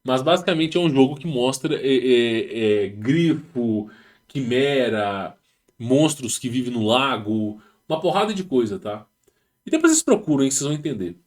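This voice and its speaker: A man's voice: medium pitch, sing-song, moderate pace, a little mellow. A man with a Brazilian Portuguese accent hosting his channel, reading a text aloud and breaking off into rambling, slangy asides with many restarts. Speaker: channel host. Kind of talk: casual talk reading and commenting on a text. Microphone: home setup with rural internet.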